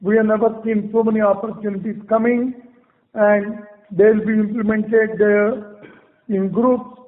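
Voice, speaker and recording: A man with an Indian accent giving halting, measured answers as a company executive on an earnings call. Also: high-pitched, flat delivery. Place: conference call. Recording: muffled conference line with long reverb.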